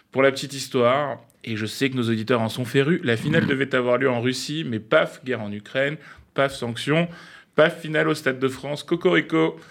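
A man's voice: mid-range voice, vocal fry, fairly bright tone. A young man giving a scripted, playful radio column, mock-pompous and laughing at his own jokes.

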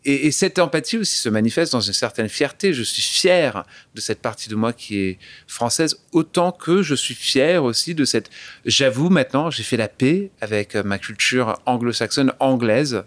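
Casting note: man, thirties, soft English lilt in his French, halting and reflective, dry close sound. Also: mid-range voice, expressive, no room sound. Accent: light English-tinged French. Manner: hesitant, many restarts and fillers. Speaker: guest singer-songwriter. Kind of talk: casual interview talk.

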